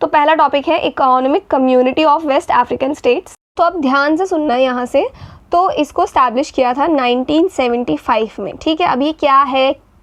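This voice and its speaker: The woman's high-pitched voice moves at a moderate pace with ordinary pitch variation. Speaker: exam-prep educator. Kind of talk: lecture.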